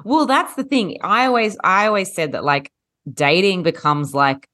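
A woman co-hosting a casual chat podcast, chatty and laughing often, a little husky from a head cold. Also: fairly low pitch, moderate pace, pushed and bright. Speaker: podcast co-host.

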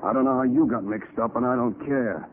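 An actor playing a cocky, slangy gangster killer in a 1940s radio crime drama. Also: male voice, medium pitch, a little fast, phone-quality sound, natural voice. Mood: smug, cold. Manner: tough slangy gangster talk. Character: cocky male gangster killer and swindler holding a gun. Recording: scratchy, thin 1940s radio recording.

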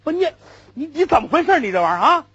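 A man voicing an indignant male passenger who sputters and shouts his complaints. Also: very high voice, sing-song, racing, no echo, pitched above the performer's own voice. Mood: outraged. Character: indignant young male passenger, easily riled.

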